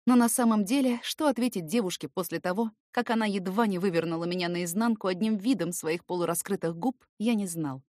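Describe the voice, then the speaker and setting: A woman's voice: medium pitch, brisk, hardly any pauses, a little mellow, no room sound. Woman narrating an audiobook, very dry sound. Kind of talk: expressive scripted first-person story narration.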